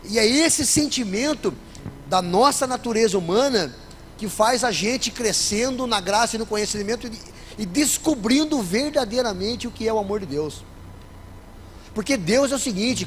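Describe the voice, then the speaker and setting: A man's voice: high voice, a little hiss or hum. A man with a Brazilian Portuguese accent preaching a sermon to his congregation in church, often asking them for an amen. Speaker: pastor. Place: church service.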